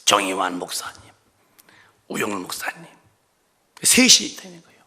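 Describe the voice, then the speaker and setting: A man's voice: on the low side, big pitch swings, normal speed, sharp tone. A male pastor preaching a sermon in a church, telling an emotional story and breaking it up with rhetorical questions. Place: church sanctuary.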